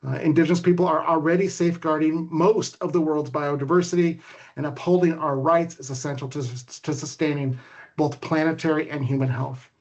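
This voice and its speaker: A man's voice: on the high side, flat delivery, fairly quick, a little mellow, lo-fi sound. A man giving prepared remarks as a panelist on a webinar.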